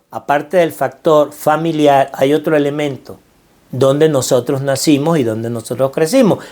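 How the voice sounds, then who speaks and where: A middle-aged man with a Venezuelan Spanish accent talks about financial mindset in a fairly high voice with a darkish tone. His motivational delivery is earnest and preacherly, and he repeats phrases to hammer his message home.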